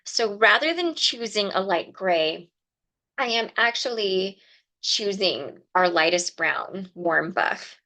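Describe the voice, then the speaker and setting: A woman at a mid pitch talks her viewers through a card-making project in a relaxed, explaining manner. She greets commenters by name as she works. She sounds a touch sniffly from a cold. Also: takes it slowly. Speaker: crafting livestream host. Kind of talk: casual live craft demonstration.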